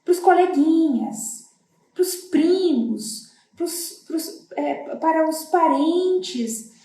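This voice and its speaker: Middle-aged woman from Brazil, high and mellow voice, earnest and explanatory, recorded in a roomy space. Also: expressive, extremely slow. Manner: earnest, explanatory, with many "né?" tags. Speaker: floral therapist. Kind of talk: casual talk to parents.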